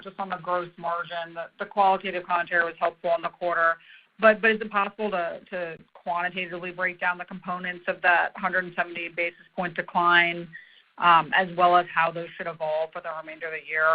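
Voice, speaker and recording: A woman working as an analyst, asking questions on an earnings call in a halting way with repeated words. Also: fairly low pitch. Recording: muffled phone line.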